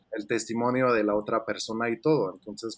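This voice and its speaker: Man with a French accent, medium pitch. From France. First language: French (speaking Spanish). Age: 30s. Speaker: abuse survivor and advocacy group president. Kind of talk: interview testimony.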